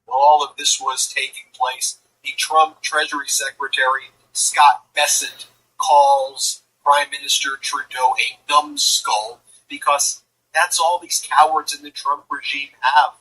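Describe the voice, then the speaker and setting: A man hosts a political commentary show, indignant and scornful as he introduces clips. His voice is a bit high, bright and husky. He sounds distant from the mic. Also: fairly even intonation, a little slow. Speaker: host.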